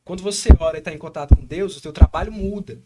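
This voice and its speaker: A man with a Brazilian accent from Espírito Santo, hosting a podcast in casual, animated chat full of slang fillers. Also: high voice, fast talker, very noisy. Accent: Espírito Santo Brazilian Portuguese. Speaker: podcast host.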